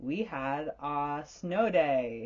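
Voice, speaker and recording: Her tone is animated. This woman's pitch swings very widely. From New Hampshire and Ontario. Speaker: cross-stitch vlogger and designer. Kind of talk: casual show-and-tell vlog. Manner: animated, chatty.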